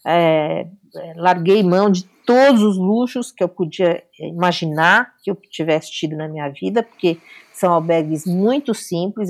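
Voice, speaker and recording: Animated woman telling a story. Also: on the low side. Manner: animated, acts out quoted dialogue. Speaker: guest. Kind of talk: casual storytelling in conversation.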